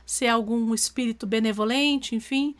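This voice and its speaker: A woman's voice: fairly high pitch, steady tone, moderate pace. A woman co-hosting a casual podcast, explaining story points conversationally with frequent tag questions. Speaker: podcast co-host. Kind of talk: casual book discussion.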